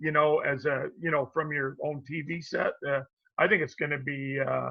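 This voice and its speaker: A man's fairly high pitch at a moderate pace, with monotone, flat intonation. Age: 60s. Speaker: former pro hockey player. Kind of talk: casual chat.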